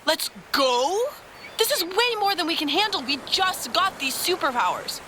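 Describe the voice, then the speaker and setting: A woman's voice: very high voice, big pitch swings, normal speed, bright, forceful tone, slight background noise, full character voice. A woman playing a sceptical, reluctant superheroine in an audio drama, with an exasperated, protesting manner. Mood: incredulous. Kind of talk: fiction podcast acting.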